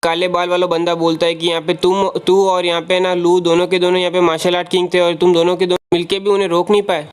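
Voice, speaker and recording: Fast, flat-voiced man recapping anime. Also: high voice, clean tone. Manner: rambling, heavy filler phrases, mixes in English words. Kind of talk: fast casual plot recap.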